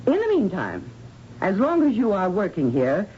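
An actress playing a stern, domineering clinic supervisor in a radio drama, clipped, cold and authoritative. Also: female voice, medium pitch, huge pitch swings, moderate pace. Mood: stern, commanding. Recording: dull, noisy old radio broadcast.

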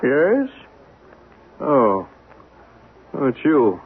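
A man's voice: medium pitch, huge pitch swings, very slow, breathy edge, heavily acted. A man acting an irritable, evasive sceptic in a 1970s radio drama, curt, dismissive and sardonic. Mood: wary, grudging. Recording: thin, phone-like old radio sound.

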